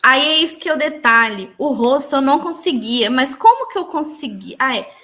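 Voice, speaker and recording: High-voiced woman telling a personal testimony. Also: lively intonation, normal speed, sharp tone. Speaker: interviewee recounting a spiritual experience.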